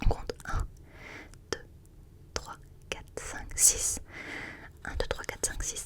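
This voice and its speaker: Whispering by a woman at a very slow pace, with long, frequent pauses and noticeable background noise. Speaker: ASMR artist. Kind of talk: ASMR roleplay, casual chatty talk to camera. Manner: whispered, soft-spoken, chatty.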